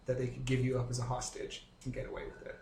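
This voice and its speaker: A man's voice: medium pitch, monotone, fast, gravelly, noisy background. Hesitant male game master, echoey room. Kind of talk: running a tabletop game.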